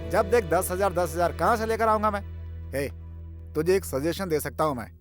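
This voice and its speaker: A man dubbing a rowdy, excitable young man in a comedy film, talking loudly and often shouting. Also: sits high, normal speed, close to an everyday voice. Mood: scheming. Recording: studio dub over loud film music.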